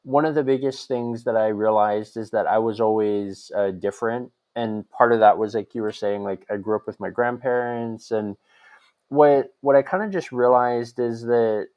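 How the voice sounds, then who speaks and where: A man's voice: medium pitch, steady tone, normal speed, darkish tone. A young man from Hawaii, a podcast guest talking casually with lots of fillers and restarts. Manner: chatty, many fillers and restarts. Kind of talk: casual interview conversation.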